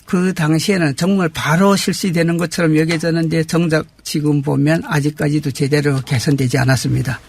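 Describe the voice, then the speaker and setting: A man giving polite, measured explanations as a guest in a formal interview. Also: fairly high pitch, steady tone, vocal fry, husky. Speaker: interview guest, community representative.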